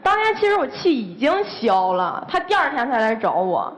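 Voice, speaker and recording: A young woman speaks. Her voice sits high and leaps up and down as she piles on accusations. She sounds heated and insistent throughout. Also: very animated. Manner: heated, accusing, rapid complaints. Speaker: guest on dating show.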